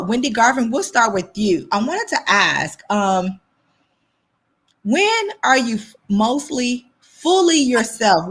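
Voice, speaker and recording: Podcast host: woman, husky voice, upbeat and chatty. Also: on the high side. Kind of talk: casual interview chat.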